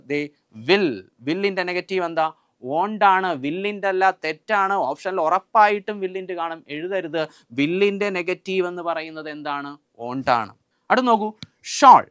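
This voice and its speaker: A man's voice: high voice, a bit bright, clear, resonant tone, no echo. A man with a Malayali accent teaching an exam-prep grammar lesson, reciting lists and quizzing his viewers over and over. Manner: repetitive, drills lists aloud and quizzes viewers. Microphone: filmed by a camera operator.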